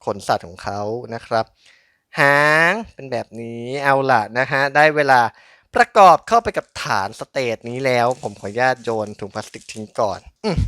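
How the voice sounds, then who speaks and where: A man's voice: mid-range voice, lively intonation, moderate pace, bright, forceful tone, dry recording, studio quality. A man hosting a casual unboxing video, chatting politely and thinking aloud as he handles things. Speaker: host of a collectible toy unboxing channel. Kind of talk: casual hands-on unboxing commentary.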